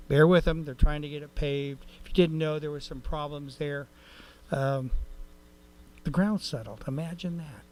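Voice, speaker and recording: A man's voice: a little high, a little mellow. A man giving a rambling, folksy report at a city council meeting, with many fillers and restarts. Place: council chamber.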